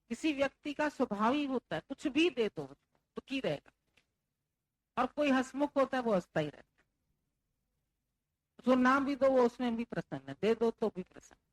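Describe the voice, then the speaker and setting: A woman's voice: on the high side, dry recording, poor audio. A woman spiritual teacher giving a devotional sermon, talking conversationally and acting out the people she quotes. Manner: conversational, acts out quoted speech.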